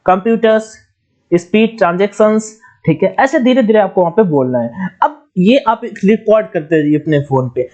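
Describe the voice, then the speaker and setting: A young man teaching an online exam-prep lesson in a casual, chatty way, explaining step by step and dictating words slowly. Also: high-pitched, warm tone. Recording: dull lo-fi audio.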